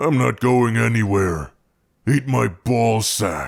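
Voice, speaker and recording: This man uses a put-on character voice that sounds raspy, pitched at a medium level. He talks at a very slow pace. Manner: gruff, dismissive.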